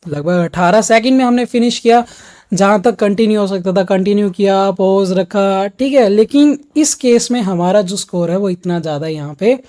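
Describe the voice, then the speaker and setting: A man's voice: high-pitched, normal speed, mellow. A man coaching students for an exam in an instructional video lesson, explaining each step directly to the viewer.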